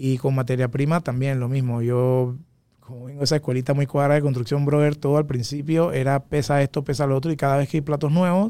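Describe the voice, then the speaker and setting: Over a very clean recording with a silent background, a man talks at a very fast pace in a fairly high pitch with a dark, mellow tone and fairly even intonation. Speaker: restaurant owner. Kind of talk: casual interview. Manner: calm.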